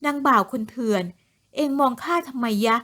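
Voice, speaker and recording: A woman voicing a sharp-tongued older noblewoman in a storybook drama, speaking in slow, cutting tones. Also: fairly high pitch. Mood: scolding. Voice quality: slow, cutting, scornful delivery.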